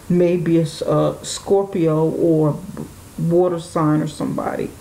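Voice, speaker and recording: A woman's voice: sits low, steady tone, takes it slowly, creaky, mellow, rough recording. A woman giving an intuitive tarot reading, musing aloud and speaking to spirit and the viewer. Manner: musing, talks to spirit and viewer, laughs often. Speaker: tarot reader.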